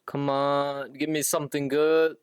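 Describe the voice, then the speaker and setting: A man's voice: fairly high pitch, little pitch movement, measured pace, clear, resonant tone, no echo. A man giving casual solo gameplay commentary as a livestreamer, muttering short, sparse remarks to himself. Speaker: game livestreamer.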